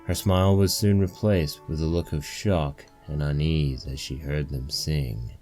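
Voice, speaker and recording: A man's voice: rumbling low, fairly even intonation, unhurried, warm tone, faint music behind. A man reading a story aloud as its narrator, in scripted storytelling style. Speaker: narrator of a fan fiction reading.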